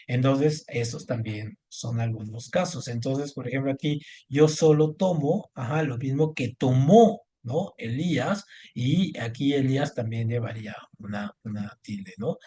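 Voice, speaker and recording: A man's voice: a little high, dark tone. Guy tutoring spelling over a video call, patient and encouraging, lots of ujú and este. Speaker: Spanish teacher. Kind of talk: online tutoring lesson over screen share.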